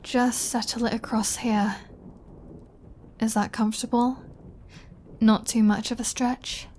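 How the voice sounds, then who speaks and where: A woman's voice: a little high, level tone, a little mellow, a little hiss or hum, lightly acted. Casting: a woman to play a seductive, possessive vampire lady for ASMR audio drama; leisurely delivery, teasing menace. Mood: coaxing, intimate. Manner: slow, teasing, playfully threatening.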